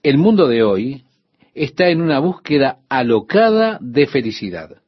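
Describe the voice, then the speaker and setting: A man's voice: mid-range voice, sing-song, measured pace, husky, no room sound, dull audio. An older man, a pastor, giving a radio sermon in an earnest teaching tone with rhetorical questions to the listener.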